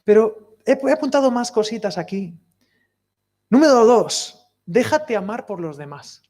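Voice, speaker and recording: A man preaching a sermon in a lively, conversational way, often dropping to soft, near-whispered lines. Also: high-pitched, measured pace. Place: outdoor summer cinema.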